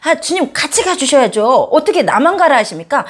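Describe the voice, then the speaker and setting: A woman's voice: big pitch swings, fairly quick. A woman voicing a man who pleads and sulks as he bargains with his god, in a whiny, coaxing way. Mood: pleading. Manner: whiny, coaxing, high-pitched.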